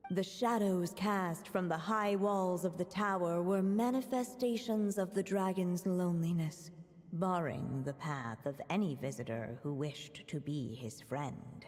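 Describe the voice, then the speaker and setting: Slow, low-voiced storybook narrator played by a woman. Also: a little mellow, close to an everyday voice. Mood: solemn. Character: solemn storybook narrator of a fairy tale. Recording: long reverb under music.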